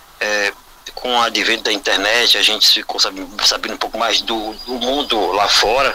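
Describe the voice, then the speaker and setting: A male voice of medium pitch, with fairly even intonation, comes through noticeable background noise. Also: moderate pace. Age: 40s. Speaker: listener sending audio message. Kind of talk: casual audio message.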